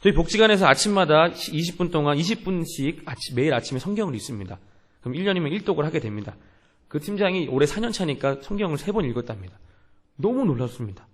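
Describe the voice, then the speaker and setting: A young man, a youth pastor, preaching a sermon in an earnest way and asking the congregation questions. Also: on the high side.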